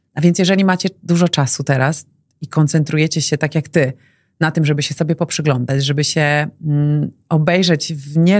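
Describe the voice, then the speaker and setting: This woman has a very deep, low pitch. She speaks at a fairly quick pace. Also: quiet background. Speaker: podcast guest. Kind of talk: casual chat. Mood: reflective, warm. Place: studio. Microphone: studio mic.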